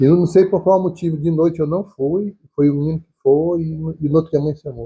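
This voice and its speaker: A normal speaking voice from a man with a fairly high pitch, fairly even intonation and big swings in loudness at a fairly quick pace. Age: 60s. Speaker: dairy farmer. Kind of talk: interview, casual storytelling. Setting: on a farm.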